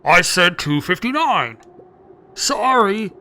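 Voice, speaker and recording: A man's voice: high voice, very animated, slow, pushed and bright, heavily acted. A man voicing laid-back working guys bantering in a mystery game, reading their dialogue aloud in character. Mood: brooding banter.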